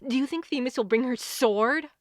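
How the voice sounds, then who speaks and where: A woman's voice: sits high, normal speed, dry recording, clean studio sound, close to an everyday voice. A woman playing a brash, flippant fairy godmother. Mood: grumbling. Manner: flippant, exclamatory, teasing. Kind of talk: fantasy comedy audio drama acting.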